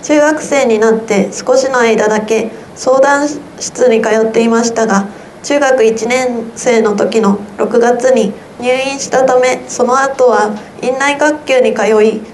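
Teenage female student, high pitch, reads slowly and carefully at a symposium. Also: darkish tone, a little hiss or hum. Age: teens. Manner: slow, careful reading. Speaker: student reading her essay. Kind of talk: reading an essay aloud. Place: symposium hall.

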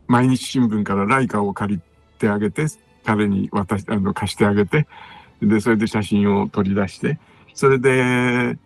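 A low-pitched man with a gravelly edge tells long anecdotes as a radio guest. He meanders through fillers and asides in an easy, conversational way. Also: dry recording. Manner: rambling, many fillers and asides. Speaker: guest composer and music producer. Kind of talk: relaxed anecdotal storytelling.

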